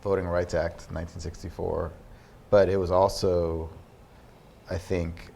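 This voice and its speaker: A man being interviewed in a studio as an artist, explaining his work in thoughtful, halting sentences. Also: low-pitched, flat delivery, gravelly, warm tone, a little hiss or hum. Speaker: artist guest.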